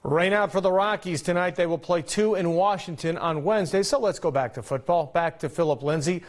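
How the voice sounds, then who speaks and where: A man's voice: high voice, fairly quick. A man with an American accent anchoring a TV sportscast in a conversational way. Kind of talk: sportscast presenting with light banter.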